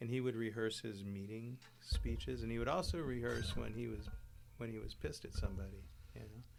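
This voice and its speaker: Speaking at a moderate pace with an American accent, the man has a plain, everyday voice and a fairly low pitch. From Southern California. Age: 60s. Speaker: musician and producer. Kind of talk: casual chat. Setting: radio studio.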